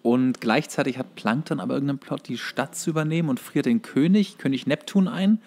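A man's voice: mid-range voice, a little fast, creaky, a little mellow. A man co-hosting a podcast, chatting casually as he retells cartoon episodes. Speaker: podcast co-host.

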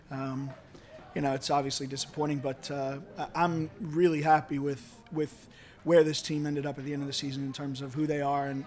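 A middle-aged man, a college soccer head coach, giving measured, halting remarks at a post-match press conference. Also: medium pitch, a little mellow. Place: indoor press conference room, seated at table. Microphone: handheld-style microphone on table stand.

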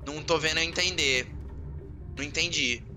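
A man with a Brazilian Portuguese accent giving excitable let's play commentary, swearing often and talking to himself and his viewers. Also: a little high, moderate pace. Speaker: gamer. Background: loud game music.

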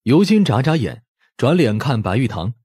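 A man's voice: medium pitch, big pitch swings, normal speed, a little mellow, husky, no echo, studio quality. A man reading scripted story narration expressively, as an audiobook narrator.

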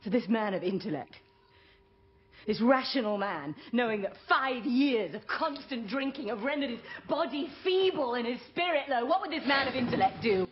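Actress as high-voiced proud English noblewoman. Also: expressive, moderate pace, lo-fi sound, slight background noise, close to an everyday voice. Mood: challenging. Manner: intense, articulate, accusing. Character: proud, wounded young noblewoman, pleading with her husband. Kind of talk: period film drama acting.

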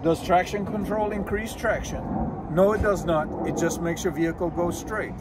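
A man's voice: high voice, normal speed, very noisy. Older man explaining cars, methodical. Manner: plain, methodical explaining with small slips. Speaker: master diagnostic technician. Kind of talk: explaining car features to camera. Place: outdoors in a dealership parking lot, then inside a car.

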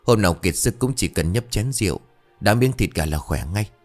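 A man's voice: fairly low pitch, expressive, a little fast, soft background music. A man voicing a panicky, bumbling young husband who blusters when he is flustered, lifting his voice a little above his own in a told ghost story. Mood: sheepish.

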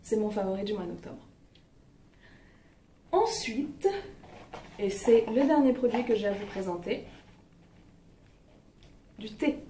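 Slow and mellow, her medium-pitched voice has lively intonation and long pauses. The young woman talks casually about products she loves, hesitant and heavy on fillers, in a roomy home recording with a distant mic and faint noise.

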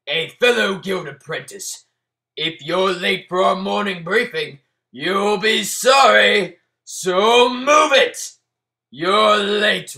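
A man voicing a loud, grumpy monster apprentice with a blunt, hectoring manner. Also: sits high, exaggerated voice. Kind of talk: character voice audition.

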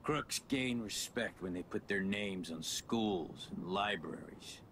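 A man's voice: on the low side, takes it slowly, fairly bright tone, a little hiss or hum. An actor playing a folksy old fisherman in a video game, with a weathered, salty drawl. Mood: wistful. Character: folksy old fisherman, gloomy about his town.

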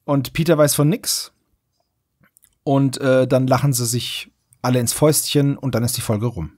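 A man's voice: mid-range voice, steady tone, normal speed, darkish tone, no echo, clean studio sound. A man co-hosting a podcast, recapping stories in a casual, conversational way. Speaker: podcast host. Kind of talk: casual plot recap chat.

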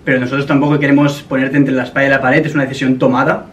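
A man's voice: medium pitch, flat delivery, racing. A man in his twenties with an accent from Spain, explaining himself in casual, serious conversation and repeating phrases. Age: 20s. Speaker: YouTuber making a prank call. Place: indoor gaming room at a desk. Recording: slightly distant mic, faint noise.

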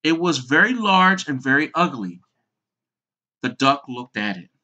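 Slow, animated fairy-tale storyteller. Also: mid-range voice, highs cut off. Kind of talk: scripted fairy-tale narration.

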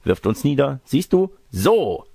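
A gravelly, husky storybook villain, acted out by a man: a lecherous wolf-sorcerer posing as granny. He wheedles, boasts and snaps with swooping, lively pitch. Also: a little slow, no room sound, studio quality, exaggerated voice. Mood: wheedling. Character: lecherous wolf-sorcerer disguised as a grandmother, smug and testy. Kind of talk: storybook character reading.

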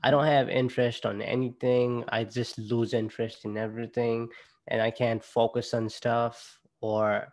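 A young man from Nepal with a Nepali accent, presenting casually to students on a video call through a laptop mic, halting and restarting often. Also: medium pitch, flat delivery, a little mellow. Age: young adult. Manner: halting, with frequent fillers and restarts. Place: indoor room at home. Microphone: laptop webcam on a video call.

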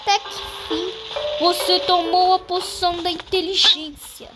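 A young girl makes up a story while playing a game. Her voice is very high and her pace slow. Loud music plays over her. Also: little pitch movement, low-quality recording. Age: child. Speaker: player narrating a game. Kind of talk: improvised pretend-play storytelling over a mobile game.

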